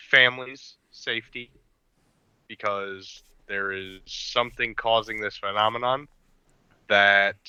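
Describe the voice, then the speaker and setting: Man as a bright-voiced, firm government agent. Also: lowish voice, clear, resonant tone, dry recording, highs cut off, full character voice. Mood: firm, diplomatic. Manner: formal, measured, diplomatic. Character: polite, firm male government agent leading evacuation.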